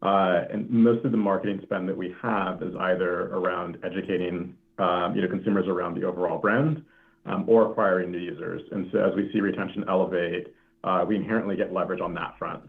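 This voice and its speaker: A man speaking as a company executive on an earnings call, halting often in the middle of phrases. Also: deep voice, steady tone, gravelly, phone-quality sound. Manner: halting, with frequent pauses mid-phrase. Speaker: company executive answering analyst questions.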